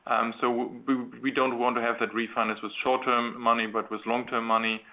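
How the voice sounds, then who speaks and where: A man's voice: mid-range voice, little pitch movement, a little fast, sharp tone, poor audio. A man speaking as a company executive, giving unscripted answers to analysts on a conference call.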